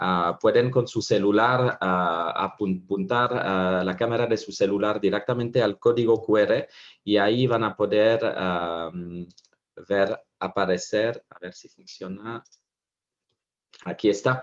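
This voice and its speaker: A man speaks very slowly at a fairly low pitch. His intonation stays fairly even. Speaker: consultancy training director and speaker. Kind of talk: webinar presentation. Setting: online webinar. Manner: halting, many filler sounds.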